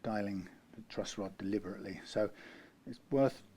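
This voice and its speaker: Rambling low-voiced British man in a workshop. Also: moderate pace, mellow, a little hiss or hum. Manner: rambling, self-correcting, dry asides. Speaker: guitar repair tutor. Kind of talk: workshop how-to narration.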